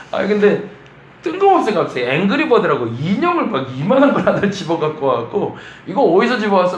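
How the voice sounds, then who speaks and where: A man's voice: fairly high pitch, slight background noise. A man preaching a morning prayer sermon as pastor, often acting out complaining prayers in a raised voice. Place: church sanctuary. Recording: echoey church room, faint ambience.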